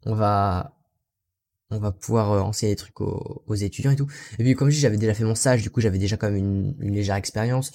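A young man from France chats through his story in a somewhat low voice. He rambles in a casual way, stacking up fillers as he goes. He talks like a teacher being interviewed about his path into the job. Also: brisk, vocal fry, warm tone. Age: young adult. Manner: chatty, rambling, keeps tossing in "you know" and "so".

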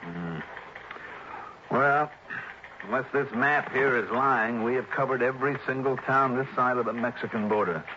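An actor playing a tough, wry insurance investigator who talks brisk and insistent. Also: male voice, mid-range voice, natural voice. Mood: determined. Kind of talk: 1960s radio drama acting. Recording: muffled old radio broadcast with hiss.

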